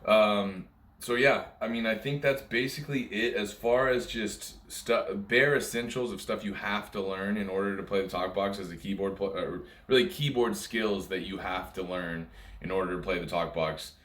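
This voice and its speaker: A man's voice: fairly low pitch, steady tone, moderate pace, fairly bright tone. A man giving a casual music lesson, talking informally and ramblingly, often repeating his points. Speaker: music teacher. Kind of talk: casual instructional talk to camera. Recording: echoey room sound.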